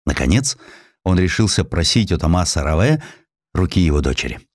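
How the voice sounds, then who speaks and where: A man's voice: sits low, sing-song, brisk, a little mellow, no room sound, studio quality. A man narrating a historical essay as an audiobook, reading expressively and giving the characters voices in their quoted lines.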